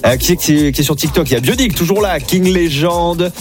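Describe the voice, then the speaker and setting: A man's voice: fairly high pitch, animated, fast, over music. A man hosting an evening radio show, upbeat and chummy with callers. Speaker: radio host.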